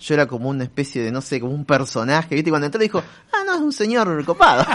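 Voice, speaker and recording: A fairly high-pitched man speaks at a very fast pace in a Rioplatense accent. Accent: Argentine Rioplatense Spanish. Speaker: shop owner. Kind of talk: radio interview.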